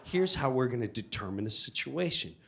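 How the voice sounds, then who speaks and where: A man's voice: mid-range voice, lively intonation, fairly quick, creaky, fairly bright tone, pitched below the performer's own voice. A man playing an intense, menacing federal agent with a stern, intimidating delivery, on stage before an audience. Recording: live comedy club, audience noise.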